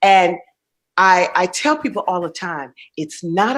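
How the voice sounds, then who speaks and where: A woman with an animated tone speaks at a fairly slow pace and medium pitch, her intonation lively. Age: 60s. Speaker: author and motivational speaker. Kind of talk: interview.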